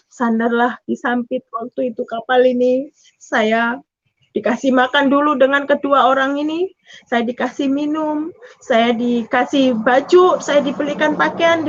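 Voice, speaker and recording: A woman's voice: high-pitched, highs cut off. A young woman from East Java giving an emotional church testimony, acting out the dialogue as she tells her story. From East Java, Indonesia. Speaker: testimony speaker.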